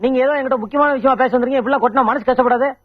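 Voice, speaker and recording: Casting: a cheeky lovestruck young man, high voice, rattling off lines fast, dull old film audio. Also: fairly even intonation, soft background music. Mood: pleading. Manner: fast, pleading, comic boasting. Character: brash, cheeky young man wooing a woman. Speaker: suitor. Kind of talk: Tamil film dialogue.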